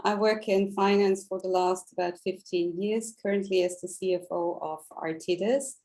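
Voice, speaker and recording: A woman finance chief introducing herself on a video call in a measured, earnest way. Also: fairly low pitch, a little mellow, low-quality recording. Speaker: CFO, panelist.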